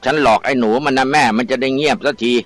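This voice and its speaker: A man's voice: medium pitch, fairly even intonation, fast, no echo, faint music behind, pitched above the performer's own voice, natural voice. A man voicing an earnest, smitten young village man in a told folktale, speaking in a pleading way. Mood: sheepish.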